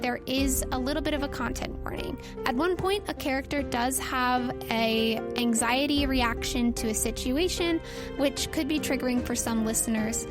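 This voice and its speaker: Female tabletop game master, higher register, animated storyteller and host, music bed underneath. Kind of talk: announcements and storytelling narration for a tabletop game podcast. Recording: music behind the voice.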